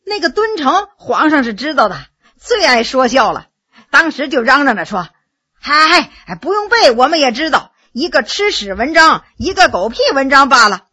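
A woman's voice: high-pitched, sing-song, moderate pace, pushed and bright, slightly rough, heavily acted. A woman doing a witty male court scholar. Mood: amused. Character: witty middle-aged male court scholar telling jokes.

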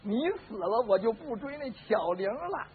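A male storyteller voicing a crude, scheming young manservant who mutters low and slyly, on a lo-fi recording. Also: animated, moderate pace. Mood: gloating. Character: [a man doing] a scheming young male servant, crude and sly. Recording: lo-fi phone-like band with faint hiss.

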